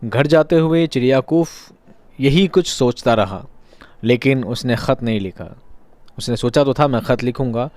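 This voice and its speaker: Brief: lively male teacher explaining a story, mid-pitched, dry close sound. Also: moderate pace, no echo. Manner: lively, conversational, acts out dialogue. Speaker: Urdu teacher.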